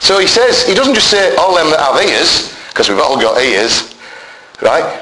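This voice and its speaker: A man with a Yorkshire accent talks against noticeable background noise. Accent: northern English (Yorkshire). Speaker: lay preacher and schoolteacher. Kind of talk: sermon. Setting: church.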